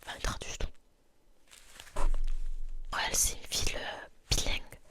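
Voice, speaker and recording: A woman from France, whispering a chatty ASMR vlog outdoors in the freezing cold. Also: normal speed. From southern France. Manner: whispering throughout, chatty and self-deprecating. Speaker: vlogger.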